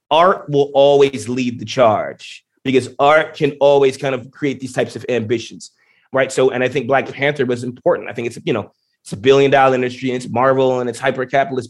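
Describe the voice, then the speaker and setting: A man answering interview questions in an emphatic, animated way, often tossing in "you know" and "right". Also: medium pitch. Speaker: guest.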